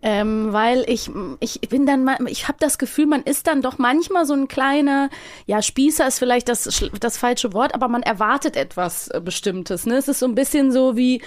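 A woman's voice: sits high, normal speed, no echo. A woman talking casually as a podcast guest, thoughtfully qualifying her opinions as she goes.

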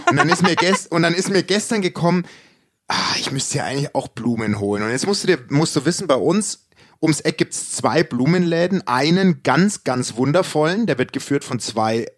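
A man co-hosting a podcast, casually telling an anecdote in a crude, animated, self-mocking way. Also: fairly high pitch, moderate pace, dry recording, clean studio sound. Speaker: podcast co-host.

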